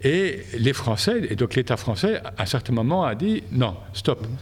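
The man's delivery is fairly slow. His intonation rises and falls in a lively way. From France. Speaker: university lecturer in Islamic studies. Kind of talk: interview. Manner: halting, many hesitations and repetitions.

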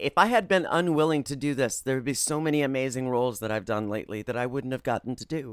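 A woman with a very deep, low voice speaks at a fairly quick pace with lively intonation. The recording is very clean, with a silent background. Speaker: voice actor. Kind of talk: interview.

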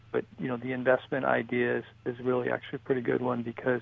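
The speech runs at a very fast pace. Music plays in the background. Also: man. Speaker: caller. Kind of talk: casual question and answer. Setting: phone call.

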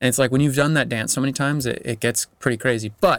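This man talks at a very fast pace in a medium pitch. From Vermont, US. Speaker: electronic music producer and musician. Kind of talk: interview. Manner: halting, many fillers and repetitions.

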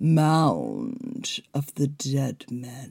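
A man uses a put-on character voice with a fairly high pitch. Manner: creepy.

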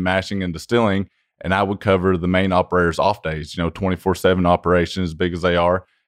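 With a Kentucky accent, a man speaks in a very deep, low pitch and fairly even intonation, recorded with a dry, close sound with no echo and a quiet background. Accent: Kentucky country. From Bardstown, Kentucky. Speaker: distillery manager and head distiller. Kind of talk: casual interview.

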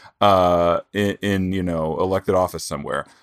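In a very clean recording with a silent background and a dry, close sound with no echo, a man speaks at a fairly slow pace. He has an ordinary speaking voice, a fairly low pitch and an American accent. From West Michigan. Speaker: magazine editor and author. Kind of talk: interview.

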